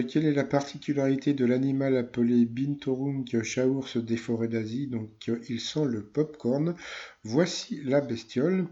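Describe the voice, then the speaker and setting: A man's voice: mid-range voice, mellow, dull audio. A man giving casual commentary on a TV quiz show, rambling and hesitant with many fillers and a teasing tone.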